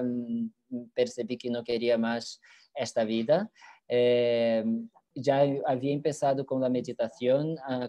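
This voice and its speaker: Young monk, male, thirties. Brazilian Portuguese accent, halting Portuguese-Spanish mix, soft dark tone, informal personal account. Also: medium pitch, dry recording. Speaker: Buddhist monk introducing himself. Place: small room indoors. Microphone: wired earphone mic on video call.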